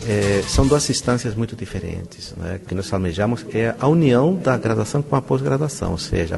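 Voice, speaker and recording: Deep, gravelly Brazilian man, enthusiastic. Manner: enthusiastic, emphatic, asks himself rhetorical questions. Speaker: university professor being interviewed. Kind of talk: spontaneous interview answer. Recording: crowd chatter around the voice. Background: crowd chatter.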